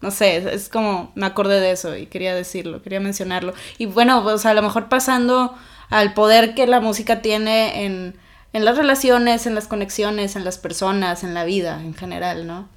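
A young adult woman, co-hosting a podcast in casual, expressive chat that trails off into soft asides. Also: mid-range voice, normal speed. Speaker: podcast co-host.

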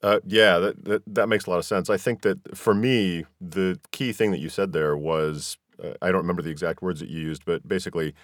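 Male podcast host, quite deep register, conversational delivery, very dry recording. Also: steady tone, a little fast, hardly any pauses, no room sound. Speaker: podcast host, audiobook narrator. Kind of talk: interview conversation.

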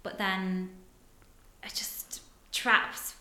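Woman, 30s, bright chatty guest in an echoey room, lots of fillers. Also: medium pitch, level tone, very slow, whispered. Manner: chatty, uses many fillers like "like". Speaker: guest, therapist for women. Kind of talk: casual podcast conversation.

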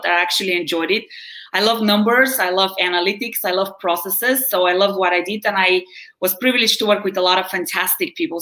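Woman, 40s, Bulgarian accent, podcast guest, chatty and quick to laugh. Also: mid-range voice, a bit bright. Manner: chatty, laughs often, adds "right?". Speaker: guest, wellness coach. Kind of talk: conversational interview.

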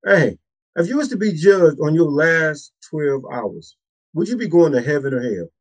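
A husky-voiced man hosts a faith interview as a minister, with a preacher's cadence and a steady stream of amens. The sound is dry and close, with no room around it. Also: a little high, normal speed, dry recording.

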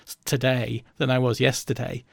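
A man's voice: mid-range voice, flat delivery, moderate pace, gravelly, dry recording, studio quality. A man who works in learning and development, talking in a chatty, reflective way with lots of "you know". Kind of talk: casual conversational chat.

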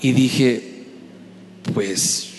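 Pastor telling a story in a reverberant hall. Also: male voice, mid-range voice, fairly even intonation, extremely slow, a little hiss or hum. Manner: storytelling, acting out both sides of phone calls. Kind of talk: sermon storytelling. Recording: long hall reverb with faint music.

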